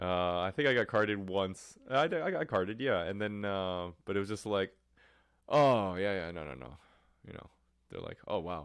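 An unremarkable speaking voice moves at a moderate pace with lively intonation and big swings in loudness against a quiet background. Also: man, fairly low pitch for a man. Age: 40s. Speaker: podcast host. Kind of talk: solo monologue, casual.

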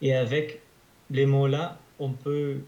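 With a Dutch accent, a man speaks at a fairly high pitch. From Netherlands. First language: Dutch (speaking French). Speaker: polyglot language learner. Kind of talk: interview. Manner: halting.

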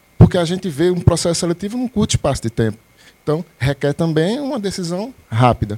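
With noticeable background noise behind a dry, close sound with no echo, a man speaks at a fairly quick pace in a high voice with very wide pitch swings. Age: 30s. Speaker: audience member, bank employee. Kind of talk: audience question. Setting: live event with audience.

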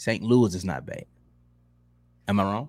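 The speech moves at a fairly slow pace on a very clean recording with a silent background. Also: man. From US South, Memphis, Tennessee. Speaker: podcast guest. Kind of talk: casual chat.

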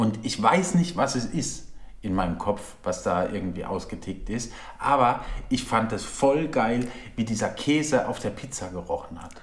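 This man's voice is somewhat breathy, with lively intonation and a fairly slow pace. Room echo is audible around him. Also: medium pitch for a man. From Germany, Heidelberg (Baden-Württemberg). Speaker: podcast co-host, photographer. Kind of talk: casual chat.

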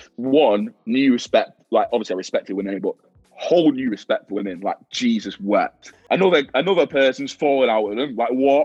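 Music plays in the background of a dry, close recording with no echo, the speech at a moderate pace. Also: man. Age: 20s. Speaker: model and personal trainer. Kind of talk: casual chat.

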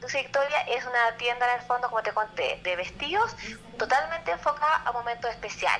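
Raising and projecting her high voice over noticeable background noise, a woman with a Chilean accent speaks with ordinary pitch variation. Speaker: small business owner. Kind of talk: product pitch.

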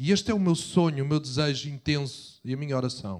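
This man has a Lisbon accent and a fairly high pitch. He talks at a fairly quick pace. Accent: European Portuguese, Lisbon. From Portugal, Pontinha (Lisbon area). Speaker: pastor. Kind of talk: sermon. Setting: church.

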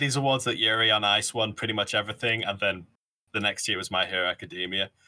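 With an English accent, this man speaks at a very fast pace. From England. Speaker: podcast co-host. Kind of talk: casual chat.

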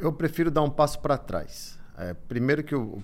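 This man's voice carries vocal fry and lively intonation. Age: 40s. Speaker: investment expert. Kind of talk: casual chat. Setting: studio.

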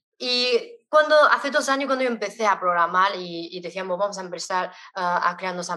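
A woman with a Chinese accent speaks in a bright, sharp tone. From China. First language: Chinese (speaking Spanish). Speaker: software developer. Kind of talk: webinar talk.

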